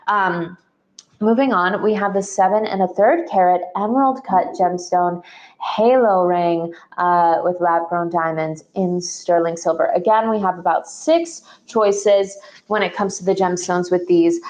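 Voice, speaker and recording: A young woman hosts a live jewelry sales stream, chatting in an easy, gushing way. Her pitch sits in the middle, and her talk is loose, full of fillers and repeated praise. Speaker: shopping livestream host.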